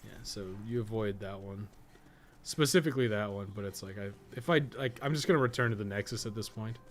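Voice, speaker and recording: A man's voice: fairly low pitch, brisk. Man rambling through game commentary, noisy background. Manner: profane, rambling, joking asides. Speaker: podcast co-host playing a video game. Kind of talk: casual gaming commentary, thinking aloud.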